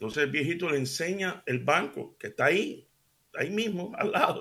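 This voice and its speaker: His tone is bright and sharp, and this man talks at a moderate pace. His pitch swings very widely. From Spain, Seville. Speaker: radio preacher. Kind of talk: religious radio talk. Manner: warm, animated storytelling.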